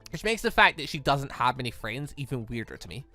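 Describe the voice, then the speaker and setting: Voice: medium pitch, sing-song, fast, sharp tone, soft background music, pitched below the performer's own voice. A performer voicing an easygoing, wry young man who narrates a visual novel in the first person. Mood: reflective.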